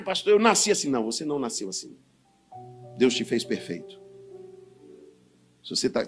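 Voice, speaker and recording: A man with a Brazilian Portuguese accent preaching a sermon, swinging between low, quiet stretches and loud, fiery bursts. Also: slightly rough. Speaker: pastor.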